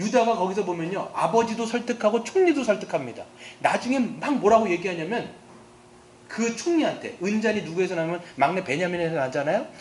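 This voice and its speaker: A man with a high voice talks at a fairly quick pace, his intonation lively and his tone animated. Room echo is audible around him. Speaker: pastor. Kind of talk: sermon. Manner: fast.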